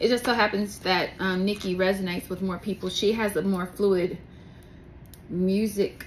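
A woman with an American accent, fairly slow and fairly even in intonation, with light background noise. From US South. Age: 30s. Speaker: tarot reader. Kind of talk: tarot reading. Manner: casual, rambling. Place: home room. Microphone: phone near.

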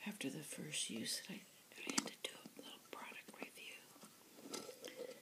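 A woman whispers at a fairly slow pace. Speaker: ASMR product reviewer. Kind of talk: soft-spoken casual product review. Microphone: phone near.

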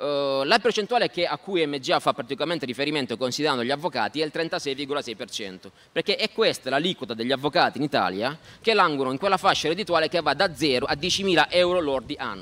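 Bright and sharp in tone, a man with a fairly high pitch talks at a fairly quick pace with lively intonation. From Apulia, Barletta; Apulia. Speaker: lawyer and activist; lawyer. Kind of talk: speech at political event. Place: garden. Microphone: podium.

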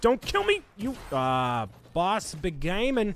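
A man with an American accent is heard in a dry sound with no echo. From Massachusetts, Cape Cod area. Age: 20s. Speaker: gaming live streamer. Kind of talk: live stream gameplay chat. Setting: home streaming setup. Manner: animated.

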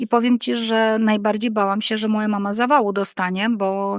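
With monotone, flat intonation and a moderate speed, a woman talks in a fairly high voice. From Georgia. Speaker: author. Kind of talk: interview.

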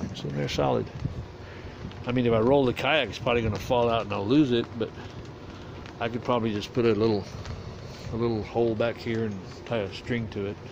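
Over noticeable background noise, a man talks at a very fast pace with ordinary pitch variation. The sound is dry, with no echo. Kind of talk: casual tutorial. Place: garden. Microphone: phone near.

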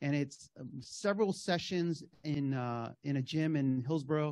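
An ordinary speaking voice carries ordinary pitch variation. The background is quiet. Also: man. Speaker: church announcer. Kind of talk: announcements. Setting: church. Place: church.

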